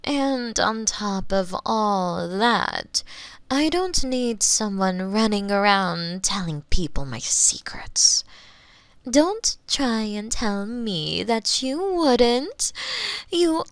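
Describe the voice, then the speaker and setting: Woman acting a slow, smug female mad scientist. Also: mid-range voice, expressive, no room sound. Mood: indignant, condescending. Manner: theatrical, condescending, sighing, slipping into breathy whispers. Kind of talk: roleplay ASMR monologue, spoken to the listener. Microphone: close binaural microphone.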